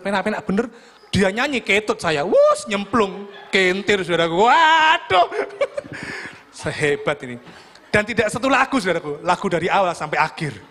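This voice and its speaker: A middle-aged pastor preaches in a church hall. His voice sits high for a man. He tells joking personal stories, turning to the congregation again and again. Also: gravelly, sharp tone. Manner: humorous storytelling, addresses congregation as "saudaraku". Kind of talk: sermon.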